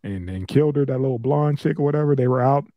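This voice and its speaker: A man co-hosting a casual podcast chat, loose, profane and quick to laugh. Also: mid-range voice, no room sound, lo-fi sound. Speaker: podcast co-host.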